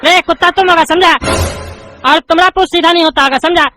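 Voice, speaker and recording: A woman's voice: very high voice, steady tone, fast talker, over music. Woman voicing a cheeky bald student who talks back. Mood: argumentative. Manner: argumentative, stumbling through reading.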